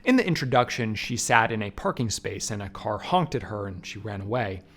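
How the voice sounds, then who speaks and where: A man's voice: lowish voice, very animated, fairly quick, a bit bright. A man narrating a scripted film review in an emphatic, wry way with casual asides. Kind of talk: scripted video essay narration.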